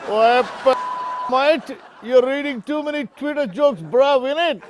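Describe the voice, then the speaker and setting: A man's voice: very high-pitched, unhurried, noisy background, voice pushed up. A man doing a cocky British Punjabi bloke. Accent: mock British Punjabi. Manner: cocky slangy banter with "innit" and "mate". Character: brash British Punjabi man, cheeky, mock-tough. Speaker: comedy interview guest. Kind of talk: sketch comedy.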